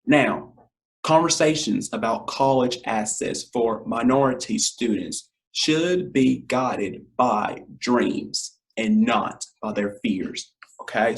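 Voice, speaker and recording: A young man hosts an education podcast in a scratchy, deep, hoarse voice. He talks casually and directly to parents and students, repeating his key points and calling them y'all. He records on a webcam in his living room at home. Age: young adult. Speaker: podcast host.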